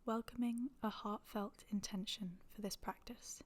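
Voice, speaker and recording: A woman leading a guided meditation in a soft, breathy, near-whispered voice, calm and gentle, with long pauses. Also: medium pitch. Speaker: yoga nidra meditation guide.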